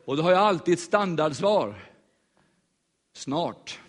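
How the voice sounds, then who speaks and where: A man with a high voice tells a story from the pulpit, jumping into the voices of the people he met. His sermon rings out with a long hall reverb around it. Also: husky. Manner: animated storyteller acting out voices. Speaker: preacher.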